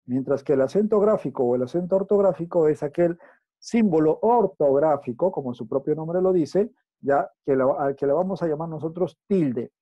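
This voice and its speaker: Dark-voiced Peruvian teacher explaining. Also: male voice, a little high, expressive, moderate pace, dry recording. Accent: Peruvian Spanish. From Peru. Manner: explaining step by step, with frequent check-ins. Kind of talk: recorded class lesson. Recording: dull lo-fi recording.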